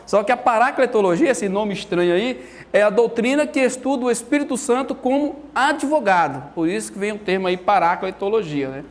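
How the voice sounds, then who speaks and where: A man teaching Bible doctrine in a lively, storytelling way with a Brazilian Portuguese accent, acting out the quotes. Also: high-pitched, a little fast. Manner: animated storytelling, acts out quotes. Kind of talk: lively church teaching talk.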